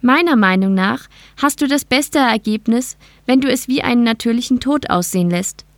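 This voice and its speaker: A woman voicing a calm, evasive female machine intelligence, speaking in a measured, explanatory way. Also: on the high side, no room sound, pitched above the performer's own voice, natural voice. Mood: explaining.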